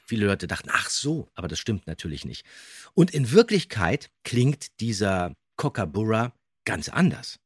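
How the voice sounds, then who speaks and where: A man's voice: on the low side, big pitch swings, normal speed, husky. A man co-hosting a podcast in casual conversation, emphatic and opinionated in how he talks. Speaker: podcast co-host. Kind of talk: casual animated discussion.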